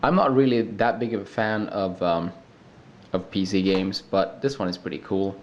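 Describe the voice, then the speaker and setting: A man's voice: deep voice, fairly even intonation, moderate pace, darkish tone, lo-fi sound, slight background noise. A young man from Sweden with a Swedish accent, talking in a casual unscripted home video and stopping often with ums and restarts. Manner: hesitant, many ums and restarts. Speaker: video creator. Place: home room.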